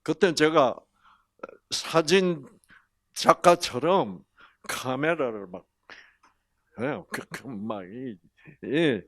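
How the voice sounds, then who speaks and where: An older man with a Gyeongsang Korean accent giving a health lecture, folksy and animated, full of rhetorical questions. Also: on the high side, drawn-out words, vocal fry, pauses often, dry recording, clean studio sound. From Gyeongsang region, Korea.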